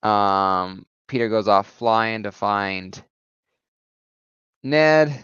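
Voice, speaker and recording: A man's voice: lowish voice, animated, drawn-out words, fairly bright tone, clear, resonant tone, no room sound, muffled recording. Man rambling through a comic recap. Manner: rambling, many fillers and restarts. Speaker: comic book reviewer.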